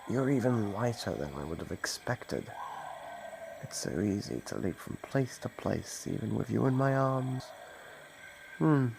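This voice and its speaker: A man playing an ancient, predatory monster in an ASMR roleplay, taunting and possessive in a gravelly, theatrical voice. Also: on the low side, expressive, unhurried, background noise. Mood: possessive, smug. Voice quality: gravelly, creaky. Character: ancient predatory male monster, menacing, gloating, possessive hunter. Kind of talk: ASMR roleplay, dramatic monologue.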